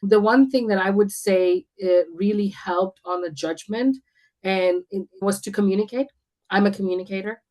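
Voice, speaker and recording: A woman's voice: medium pitch, normal speed, darkish tone, rough recording. A woman from India speaking as an interview guest, talking confidently and emphatically with frequent restarts. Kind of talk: casual interview chat.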